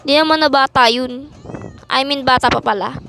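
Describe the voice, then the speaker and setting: A woman's voice: sits high, normal speed, bright, forceful tone, faint music behind. A woman voicing a whole family in a playful game role-play, switching between characters.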